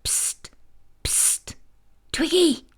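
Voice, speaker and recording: A woman voicing a curious, cautious young boy caterpillar in a children's storybook, hushed and urgent. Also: drawn-out words.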